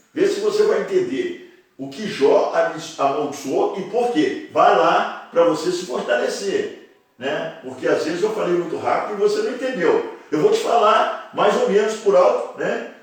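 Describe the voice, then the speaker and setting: A man speaking at a fairly slow pace amid audible room echo. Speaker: bible teacher. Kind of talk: bible lesson. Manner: halting, many fillers and repetitions.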